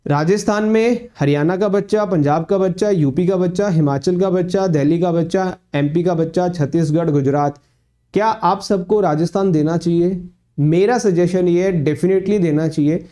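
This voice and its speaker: A man coaching law students, explaining exam eligibility in a repetitive lecture style and slowly reading official text aloud. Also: on the high side, dark tone. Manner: explanatory, repeats points, mixes English phrases; reads notification lines aloud slowly.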